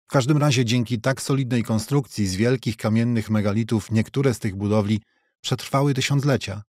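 A man narrates a history audiobook with a measured, steady delivery. His voice sits fairly low, and the close studio recording is dry, with no room sound. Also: no room sound. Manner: measured, even reading. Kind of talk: scripted nonfiction narration. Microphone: close studio mic.

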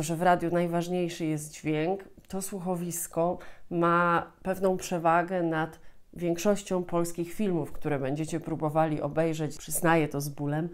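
Lower-pitched woman explaining to camera. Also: darkish tone. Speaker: host, Polish language teacher. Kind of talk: explanatory talk to camera for teachers. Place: small furnished room at home, indoors.

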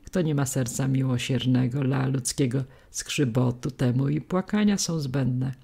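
A woman voicing a sharp-tongued old village gossip woman, scolding in folksy peasant speech. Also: very deep voice, a little slow, creaky, husky, full character voice.

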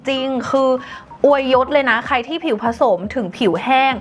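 A woman's voice: sits high, normal speed. A woman in her thirties, chatty and enthusiastic, giving a casual makeup review as a vlogger at home. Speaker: beauty vlogger. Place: home, near a window where a lawn mower is heard.

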